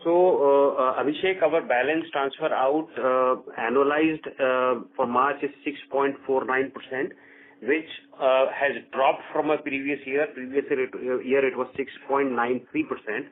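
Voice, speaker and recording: A narrow, tinny phone line with a noticeable hum carries an Indian-accented man of medium pitch. He speaks as an executive on a conference call, laying out his explanations point by point. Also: steady tone, measured pace. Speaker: company executive answering analysts.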